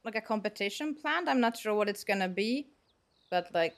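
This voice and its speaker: A woman's voice: medium pitch, lively intonation, moderate pace. A Finnish woman, a native Finnish speaker, chatting casually as a podcast guest and laughing easily between phrases. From Finland. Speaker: guild master guest.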